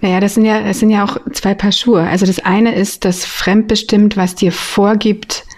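A woman's voice: mid-range voice, flat delivery, normal speed, a little mellow. A woman in her thirties from Berlin co-hosting a casual podcast, talking candidly in a slangy way and correcting herself as she goes. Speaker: podcast co-host.

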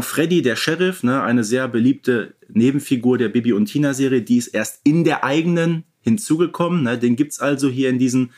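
Man explaining things casually as podcast co-host. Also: medium pitch. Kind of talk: casual, informed commentary on audio play series.

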